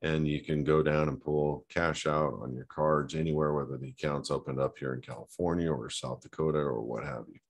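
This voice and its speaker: Casting note: male host, extremely low voice, relaxed off-the-cuff advice, lots of ums and restarts. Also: brisk, few pauses. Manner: loose and conversational, many fillers and restarts. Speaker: host answering a viewer question. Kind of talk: casual advice talk, reading a question aloud then answering.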